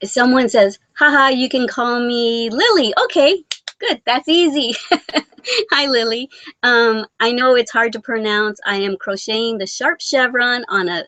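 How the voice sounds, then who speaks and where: A woman's voice: a little high, measured pace, a bit bright, no room sound. A woman hosting a live stream, chatting casually and giggling as she talks to her viewers.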